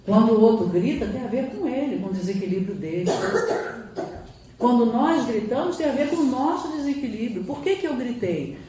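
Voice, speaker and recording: A woman's voice: a little high, animated, moderate pace, mellow, slight background noise. A woman giving an emphatic spiritual lecture, sometimes acting out quoted voices. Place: lecture hall. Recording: roomy hall from far off, faint ambience.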